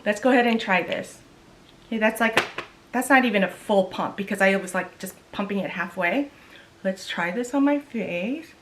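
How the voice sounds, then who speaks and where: Middle-aged woman, Korean first language, casual beauty vlog chat, loses her words and restarts, mid-pitched voice. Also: normal speed, slight background noise. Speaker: beauty vlogger. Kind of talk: casual makeup tutorial chat.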